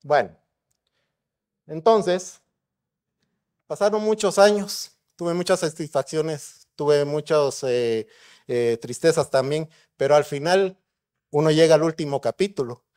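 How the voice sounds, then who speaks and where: Slow and slightly high-pitched, with long pauses and a somewhat mellow quality, a middle-aged man from Guatemala lectures at a conference. He's a neurosurgeon who keeps it conversational and poses rhetorical questions to listeners.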